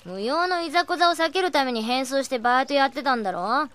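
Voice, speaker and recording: A woman's voice: sits high, animated, quick pace. An actress playing a brash, protective young female warrior with coarse, tomboyish speech in an anime radio drama. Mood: gruff, earnest. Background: loud music.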